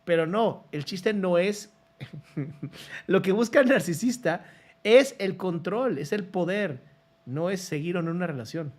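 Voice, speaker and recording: A man with a Mexican accent comments casually, with a slightly high voice and a lot of energy. He talks frankly and colloquially, and he swears from time to time. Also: measured pace. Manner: animated, mimics voices when quoting. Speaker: psychologist reacting to trial footage.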